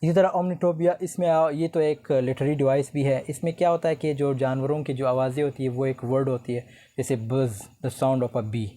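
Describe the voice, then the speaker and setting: A man giving a recorded lecture, reading English definitions slowly and explaining them in a relaxed conversational way. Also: mid-range voice. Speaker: teacher.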